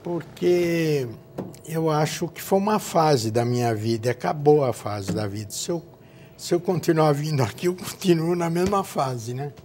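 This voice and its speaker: Older São man recalling, halting. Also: a little high, animated, darkish tone, a little hiss or hum. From São Paulo, Brazil. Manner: halting, repeats words while recalling. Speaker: guest, former state legislator. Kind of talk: interview reminiscence.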